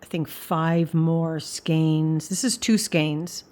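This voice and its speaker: An older woman speaks in a low register, with a slight whistle on her s sounds. She chats informally in the way of a craft vlogger, pausing, restarting and trailing off into asides as she thinks aloud. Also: steady tone, darkish tone. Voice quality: whistling s through the teeth. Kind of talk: casual rambling chat.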